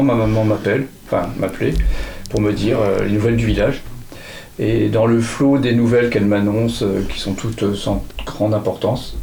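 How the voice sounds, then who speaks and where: Middle-aged male author, gravelly, hesitant, restarts often; grew up speaking Lorraine Franconian. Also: fairly low pitch, a little mellow, slight background noise. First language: Lorraine Franconian (Platt). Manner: hesitant, many restarts and fillers. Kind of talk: literary interview.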